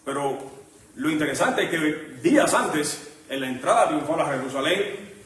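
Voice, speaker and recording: A man preaching a sermon with a Puerto Rican accent, measured, pausing often and restarting phrases. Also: a little high, lively intonation, fairly bright tone. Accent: Puerto Rican Spanish. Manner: measured, with frequent pauses and restarts. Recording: echoey hall, mic at a distance.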